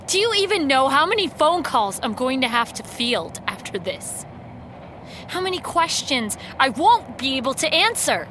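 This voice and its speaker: A woman's voice: high voice, pushed and bright, slight background noise, heavily acted. A woman playing an exasperated, anxious campaign staffer who sounds hurt and agitated, in a naturalistic audio drama. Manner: agitated, sarcastic, halting and repeating herself.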